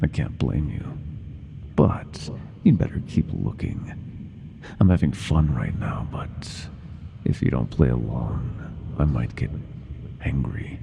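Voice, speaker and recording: An ancient monster from under the bed, played by a man, speaks in an extremely low, heavily creaking voice that often sinks to a whisper. It drawls out playful, menacing taunts in horror ASMR style, savoring each word. There is a light layer of noise behind the voice. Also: full character voice. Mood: teasing menace. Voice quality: very deep, gravelly, often breaking into whispers.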